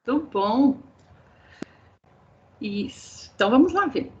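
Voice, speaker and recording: A woman's voice: on the high side, animated, takes it slowly, darkish tone, slight background noise. Woman explaining to teachers over a call. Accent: Brazilian Portuguese. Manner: explanatory, addresses audience as pessoal. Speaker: teacher trainer. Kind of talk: online teacher training presentation. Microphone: video call. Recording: dull lo-fi call audio.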